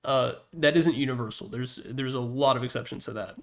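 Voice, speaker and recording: A man's voice: mid-range voice, fairly quick, creaky. A man giving casual, opinionated commentary as the host of a ranking, talking in a rambling, blunt, slangy way. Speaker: host ranking video game announcer packs.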